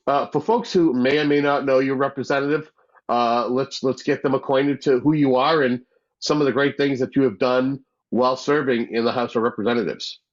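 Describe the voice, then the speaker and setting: A man's voice: medium pitch, fairly even intonation, brisk. A man hosting a community cable talk show, introducing his guest in a conversational, filler-heavy way. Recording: dull lo-fi sound.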